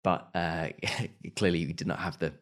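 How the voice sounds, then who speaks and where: A man's voice: low voice, fairly even intonation, normal speed. A British man answering interview questions in a thoughtful, casual way, often restarting his sentences. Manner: thoughtful, frequent restarts and small laughs. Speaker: podcast host and audio drama producer.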